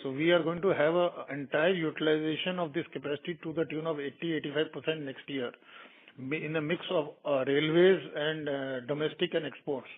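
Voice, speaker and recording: A man with an Indian accent answering as a company executive on an earnings call, wordy and halting, often repeating his phrases. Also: on the high side, fairly even intonation. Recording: tinny narrowband phone line.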